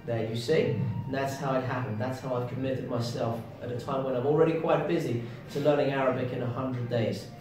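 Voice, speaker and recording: A man's voice: medium pitch, steady tone, brisk, few pauses, a little mellow, very echoey, far from the mic, soft background music, rough recording. A man from England, co-hosting a casual chat about learning languages with dry, self-deprecating humor. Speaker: co-host.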